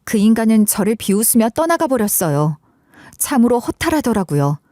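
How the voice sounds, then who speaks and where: Expressive woman narrating a story. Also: on the high side, normal speed, no echo, clean studio sound. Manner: expressive, dramatic.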